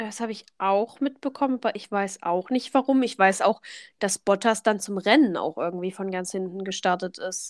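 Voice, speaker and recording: With an unremarkable speaking voice, a woman talks at medium pitch and a moderate pace with ordinary pitch variation. The sound is dry and close with no echo, on a very clean recording with a silent background. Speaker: motorsport podcast host. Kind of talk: casual chat.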